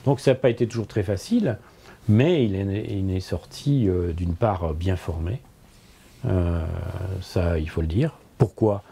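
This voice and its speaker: Slight background noise accompanies a low, dark male voice: a French-speaking philosopher in his sixties being interviewed conversationally in an office lined with books. He speaks thoughtfully and haltingly, with frequent hesitations and repeated words.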